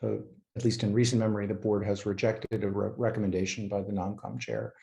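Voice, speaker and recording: A man chairing an online forum over a video call, speaking in a measured way with frequent fillers. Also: on the low side, flat delivery, vocal fry, mellow. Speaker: meeting chair.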